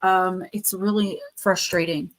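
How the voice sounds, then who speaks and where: Hoarse woman giving a live card reading. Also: on the low side, fairly even intonation, measured pace, poor audio. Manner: reads card texts aloud, then riffs loosely with fillers and restarts. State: losing her voice, sore throat. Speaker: tarot and oracle card reader, channel host. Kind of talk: live-stream card reading, casual and intuitive.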